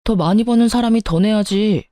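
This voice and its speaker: A woman's voice: mid-range voice, normal speed, dark tone, no echo, studio quality, lightly acted. A woman voicing a greedy, demanding young husband who talks in a petulant, accusing way. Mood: whiny.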